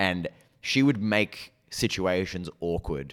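With an Australian accent and ordinary pitch variation, a man is heard in a very clean recording with a silent background. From Sydney, Australia. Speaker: comedian. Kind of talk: casual chat.

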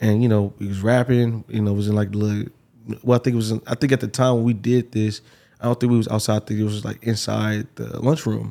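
In a very clean recording with a silent background, a dark, mellow voice speaks at a very fast pace with monotone, flat intonation. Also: man, fairly low pitch for a man. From Milwaukee, Wisconsin (north side). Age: 20s. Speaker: rapper. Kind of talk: casual interview.

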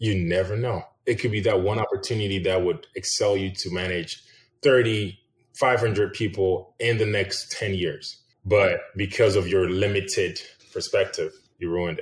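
With an American accent, a somewhat breathy man speaks at a fairly slow pace in a fairly low pitch, in a very clean recording with a silent background. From Ghana, West Africa. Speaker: UX designer. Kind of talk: interview podcast.

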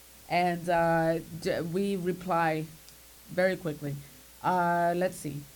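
A woman speaks very slowly in a fairly low, monotone, flat voice, leaving long, frequent pauses. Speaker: guest, group administrator. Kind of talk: casual radio chat.

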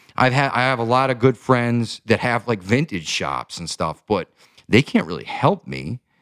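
With a New York accent, a man speaks at a moderate pace in an energetic, animated tone with lively intonation and vocal fry, the sound dry and close with no echo. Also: medium pitch for a man. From US Northeast (Albany, New York). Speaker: fashion designer and artist. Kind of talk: casual interview.

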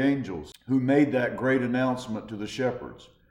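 This man's voice sits at a medium pitch with ordinary variation and a moderate pace. Audible room echo surrounds him. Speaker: devotional speaker. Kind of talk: devotional talk. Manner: halting.

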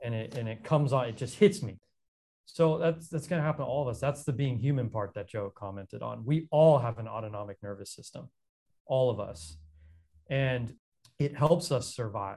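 With a dark, mellow, somewhat breathy tone, a man talks at a fairly quick pace with lively intonation and big swings in loudness. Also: medium pitch for a man. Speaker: Ayurvedic doctor. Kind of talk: casual chat. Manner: gruff.

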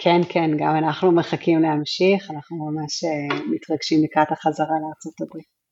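With an English accent, a woman speaks in a very deep, low pitch at a moderate pace, hardly pausing, her intonation monotone and flat while her loudness swings widely. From English-speaking country. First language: English (speaking Hebrew). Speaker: art therapist and traveling mother. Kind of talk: casual interview.

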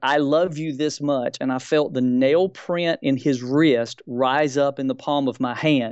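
With an ordinary speaking voice, a man speaks fairly high in pitch and varies it in an ordinary way. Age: 50s. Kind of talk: debate.

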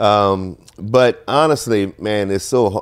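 He speaks with a South Louisiana accent. His pitch sits fairly low for a man. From South Louisiana (Acadiana). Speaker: nurse and business owner. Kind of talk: interview. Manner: laid-back.

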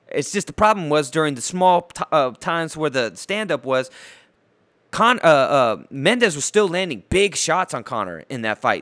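A man speaks loudly at a fairly quick pace, his bright, sharp, animated tone swinging very widely in pitch over a very clean recording with a silent background. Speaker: podcast host. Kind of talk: casual chat.

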